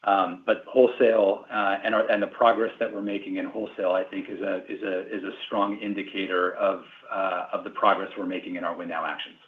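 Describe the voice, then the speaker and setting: A low-voiced man, a finance executive, walks analysts through results in a steady, explanatory way, with fillers. His voice sounds roomy and thin, like an echoey phone line. He speaks on a conference call. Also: fairly quick, few pauses. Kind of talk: earnings call answers.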